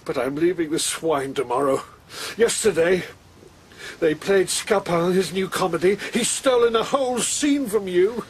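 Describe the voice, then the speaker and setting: An actor playing a tearful, indignant poor poet and loyal friend in a radio drama, with a husky, creaky voice. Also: male voice, sits high, measured pace. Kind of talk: theatrical radio drama acting.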